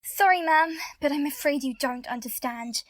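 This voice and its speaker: A woman playing a quick-thinking, take-charge character in an audio drama. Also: sits high, no echo, natural voice. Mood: commanding.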